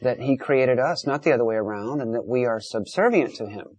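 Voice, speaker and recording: Male talk show host, mid-pitched, dry close studio sound, emphatic, didactic, unscripted debate. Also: a little fast, a little mellow, slightly rough, no room sound.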